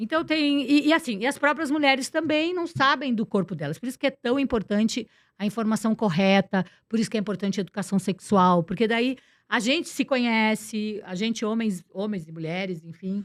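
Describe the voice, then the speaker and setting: A woman talks at a moderate pace in a fairly high voice with very wide pitch swings. The recording is very clean, with a silent background. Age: 60s. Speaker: actress and comedian. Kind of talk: casual chat.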